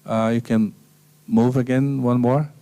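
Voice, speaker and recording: Man giving a smooth, relaxed slide lecture. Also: mid-range voice, a little slow. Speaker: guest lecturer.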